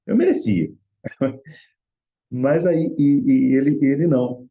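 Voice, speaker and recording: At a Spiritist study session, a middle-aged man with a Brazilian Portuguese accent tells a personal story in an earnest, conversational way. His relaxed, mellow voice sits in an ordinary middle pitch and moves slowly, and the audio has its highs cut off.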